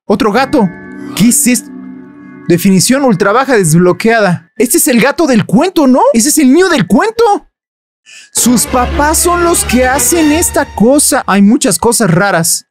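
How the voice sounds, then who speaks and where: A man narrates his game session in a playful, joking way, his voice swinging widely between low and squeaky high. Faint game music sits in the background. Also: lively intonation, measured pace. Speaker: gaming youtuber. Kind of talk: let's play commentary.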